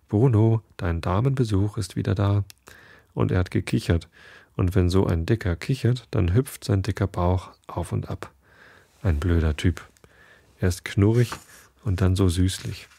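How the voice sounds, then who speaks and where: A man reads a bedtime story in a calm, unhurried way, and now and then he backs up to restart a sentence after a slip. His voice is very deep and gravelly, with a dark, husky tone. The sound is close and dry. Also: no room sound. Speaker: podcast host.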